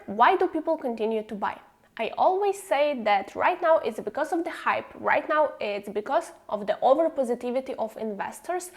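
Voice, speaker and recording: High-voiced woman with a Ukrainian accent. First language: not English. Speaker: host of a stock investing channel. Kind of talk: explanatory commentary to viewers.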